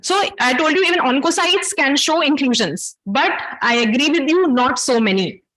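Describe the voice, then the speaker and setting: High-voiced South Asian woman lecturing. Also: lively intonation, moderate pace, fairly bright tone, low-quality recording. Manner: didactic, questioning the audience. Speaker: medical lecturer. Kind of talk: interactive academic case-based lecture.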